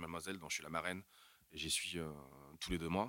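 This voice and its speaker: A man's bright, sharp tone at a very fast pace. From southern France, Castres. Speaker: drag queen performer. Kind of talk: casual interview. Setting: small venue stage on a barge.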